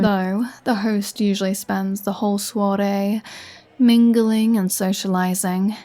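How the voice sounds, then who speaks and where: A woman's voice: mid-range voice, mellow, close to an everyday voice. A woman playing a flirty, teasing vampire with a sarcastic, playfully threatening manner in a roleplay audio drama. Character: flirty, teasing, menacing female vampire toying with a hunter.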